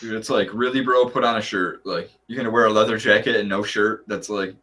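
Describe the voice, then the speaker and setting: A man's voice: lowish voice, steady tone, fairly quick, bright, forceful tone. A man chatting in a laid-back way on a group stream, laughing and using lots of fillers. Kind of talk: casual chat.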